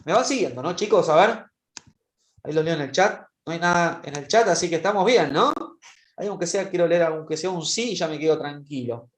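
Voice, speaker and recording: Walking his online class through a spreadsheet exercise on screen-share, this man keeps checking in patiently with students. His fairly high voice has lively intonation and a fairly quick pace, and the room sounds echoey.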